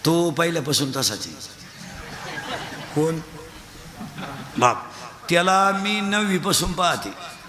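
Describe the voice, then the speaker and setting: A man's voice: a little high, animated, slow, long pauses, background noise. A man preaching a comic devotional kirtan, telling stories and mocking in acted voices. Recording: echoey hall sound.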